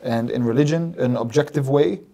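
Man in his thirties, warm dark tone, emphatic guest on a studio podcast. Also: mid-range voice, normal speed. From London, England. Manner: emphatic, repeats phrases in lists. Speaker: guest religious scholar. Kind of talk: podcast interview, earnest explanation. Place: small studio set with plants. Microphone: desk mic on stand.

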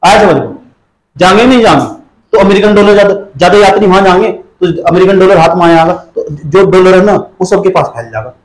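A man with a high voice teaches an exam-prep class in an echoey room. He drills each point over and over, fires questions at his students and scolds them when they don't follow. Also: fairly quick.

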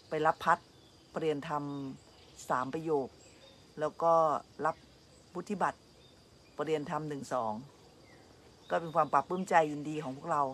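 A woman meditation teacher giving a relaxed, chatty dhamma talk, telling stories with frequent laughter. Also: low-pitched, slight background noise.

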